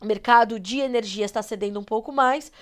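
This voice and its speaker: A Brazilian woman with a cold anchoring a live agribusiness news show, her voice nasal and congested as she runs through market prices. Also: fairly high pitch. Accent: Brazilian Portuguese. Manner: brisk, reads prices in a steady run.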